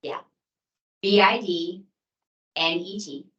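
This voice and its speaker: A woman with a loud voice, a city staff member, explaining details at a public meeting. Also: fairly low pitch, slow pace, echoey room, lo-fi sound. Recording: distant mic in a room.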